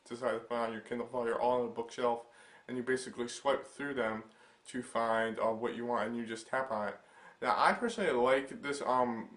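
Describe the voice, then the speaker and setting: A man's voice: mid-range voice, a bit bright, roomy sound. A young man hosting a casual tech vlog, stuffy from a cold, rambling with many hesitations as he gives his opinions. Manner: rambling, filler-heavy, hesitant. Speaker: tech channel host. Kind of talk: casual product overview vlog.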